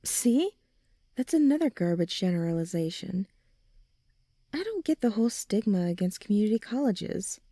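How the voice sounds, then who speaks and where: A young woman playing a supportive teenage girl in an ASMR roleplay, talking gently and informally as a caring best friend. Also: medium pitch, very animated, moderate pace, dry recording, clean studio sound. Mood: reassuring. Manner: gentle, reassuring, informal, often sighing or softly laughing. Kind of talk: ASMR roleplay audio drama.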